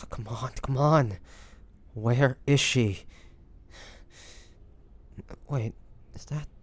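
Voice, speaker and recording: A man's voice: mid-range voice, very slow. A man playing a devoted fantasy adventurer and healer in an audio roleplay, speaking intimately and earnestly. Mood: frantic, worried. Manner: intimate, earnest, with breathy sighs. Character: devoted fantasy adventurer and healer, tender toward his dragon beloved. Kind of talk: dramatic audio roleplay addressed to the listener.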